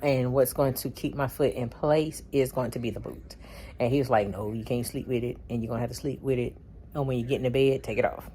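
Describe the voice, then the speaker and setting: A woman's voice: very deep voice, steady tone, brisk, warm tone, slight background noise. A woman chatting casually in a vlog, laughing often and acting out bits of her story. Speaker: vlogger.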